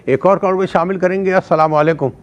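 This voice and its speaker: A man's voice: high voice, steady tone, dull audio. A male host of a call-in show who greets callers and closes each call with a formal, courteous prayer.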